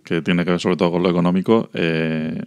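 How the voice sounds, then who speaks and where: Deep smooth man, calm. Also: brisk, dry recording, studio quality. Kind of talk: podcast conversation.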